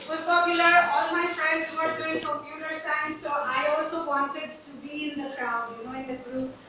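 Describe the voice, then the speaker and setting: Projecting a raised voice with hardly any pauses, a woman with a Bengali accent speaks at a high pitch with fairly even intonation, amid audible room echo and noticeable background noise. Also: moderate pace, big swings in loudness. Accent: Indian (Bengali) English. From India, Kolkata. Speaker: author and dancer. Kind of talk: book presentation talk. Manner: hesitant, many fillers.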